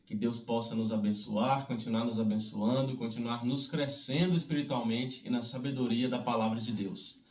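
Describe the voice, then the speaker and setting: A man's voice: mid-range voice, fairly even intonation, moderate pace, hardly any pauses, a little mellow. A man with a Brazilian Portuguese accent, leading a devotional and reading scripture aloud. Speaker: devotional Bible reader leading prayer. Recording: roomy, echoey, distant microphone.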